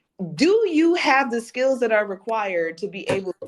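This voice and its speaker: Using very wide pitch swings, a woman with a New York accent talks at a moderate pace. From New York City, Brooklyn. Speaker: project manager. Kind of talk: casual chat.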